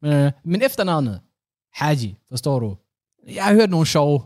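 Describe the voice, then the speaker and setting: Young male co-host, slightly high voice, dry sound, jokey impressions. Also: sing-song, a little mellow, no room sound. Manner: joking, imitates people in anecdotes. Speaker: podcast co-host. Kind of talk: casual chat.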